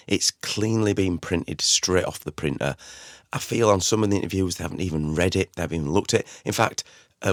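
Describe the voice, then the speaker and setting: Low-pitched, slightly croaky middle-aged man. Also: no room sound, studio quality. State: recovering from a croaky voice. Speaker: podcast host. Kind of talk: informal solo podcast talk.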